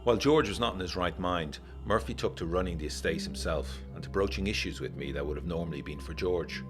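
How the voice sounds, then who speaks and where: Actor as a very deep, brooding gothic narrator. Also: male voice, over music, close to an everyday voice. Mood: brooding, grave. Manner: measured, literary, brooding storytelling. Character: haunted, uneasy war-veteran man writing letters in 1925. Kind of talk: gothic audiodrama monologue, letter read as narration.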